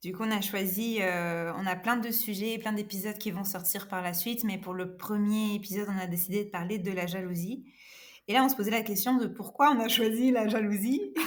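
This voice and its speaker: A woman's medium-pitched voice moves with fairly even intonation, and audible room echo surrounds it. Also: moderate pace. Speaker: podcast co-host. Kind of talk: casual podcast chat. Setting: video call.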